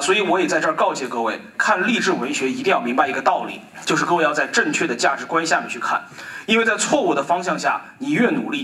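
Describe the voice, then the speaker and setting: Fast, animated man talking in an echoey hall. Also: on the high side, far from the mic. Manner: animated storyteller, quotes people in dialogue, jokes with the audience. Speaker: author giving a talk. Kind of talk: lively public talk at a book launch. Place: hall at a book launch event.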